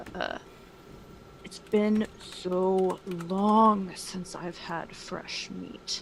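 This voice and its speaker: A put-on character voice at middle pitch and a very slow pace, with clear background noise. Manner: menacing.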